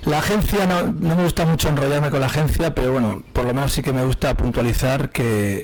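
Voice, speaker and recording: The voice varies its pitch in an ordinary way amid noticeable background noise and audible echo from the room. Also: man. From Spain. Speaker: energy market analyst. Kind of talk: conference presentation.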